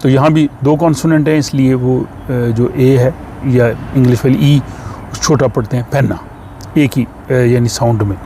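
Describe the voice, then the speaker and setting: A man with an Urdu accent explains a language lesson at an unhurried pace, pausing often on fillers. His voice sits at an ordinary middle pitch. Faint car and street noise hums behind him. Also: fairly even intonation, warm tone. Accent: Urdu-speaking. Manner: slow, explaining with many fillers. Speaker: language teacher.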